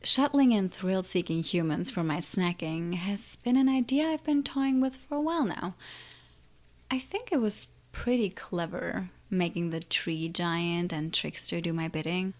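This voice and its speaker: A woman's voice: on the low side, measured pace, close to an everyday voice. A woman playing an ancient, menacing siren in an audio drama, taunting and condescending with a theatrical drawl. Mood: smug, taunting. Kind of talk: audio drama villain acting.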